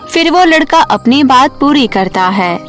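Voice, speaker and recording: A woman's voice: sits high, expressive, unhurried, faint music behind. A woman narrating a scripted children's story in a storytelling style.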